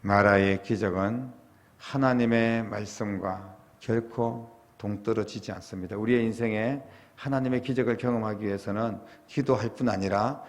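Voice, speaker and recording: A man's voice: fairly low pitch, normal speed. Pastor, man, middle-aged, preaching sermon, rhetorical questions, emphatic swells. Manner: rising to animated, emphatic peaks when voicing complaint and prayer.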